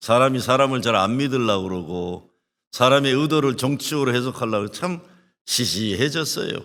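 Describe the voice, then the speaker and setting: This man talks at a moderate pace with a medium pitch and lively intonation. Room echo is audible. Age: old. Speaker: pastor. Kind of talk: sermon.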